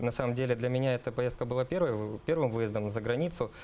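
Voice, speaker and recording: At a fairly quick pace, a man speaks at a medium pitch with a dark, mellow tone and ordinary pitch variation. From Russia. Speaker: university student. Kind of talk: tv interview. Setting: tv studio. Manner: hesitant, with fillers.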